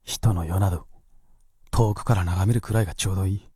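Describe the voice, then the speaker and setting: A man's voice: sits low, fairly even intonation, fast, dark tone, breathy edge, no echo, studio quality. An actor playing a centuries-old male white fox spirit guarding a mountain, musing and solemn in a radio drama. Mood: musing, watchful.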